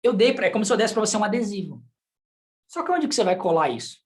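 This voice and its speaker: A man's voice: sits high, lively intonation, quick pace. A man with a Brazilian Portuguese accent teaching a sign language class in a conversational way, often checking in with the students through rhetorical questions. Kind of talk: live online class.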